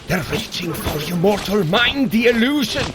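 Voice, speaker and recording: A man's voice: high-pitched, animated, normal speed, background noise. A man playing an earnest, protective warrior god and princely brother in an audio drama, speaking emphatically. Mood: alarmed.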